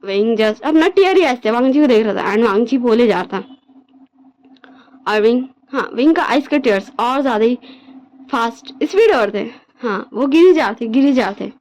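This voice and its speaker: A woman with a high voice recounts her own story in a relaxed, chatty way. She mixes in English words as she narrates. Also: normal speed, rough recording. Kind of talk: fan-fiction storytelling.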